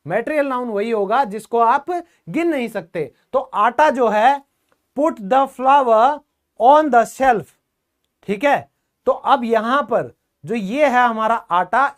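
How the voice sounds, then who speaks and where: Chatty male teacher quizzing his class. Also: extremely high pitch. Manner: chatty, keeps asking the class questions. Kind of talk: online grammar class.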